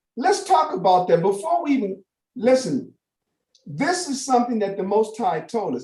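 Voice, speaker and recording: A loud man's voice with very wide pitch swings. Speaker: bible teacher. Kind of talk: bible study teaching.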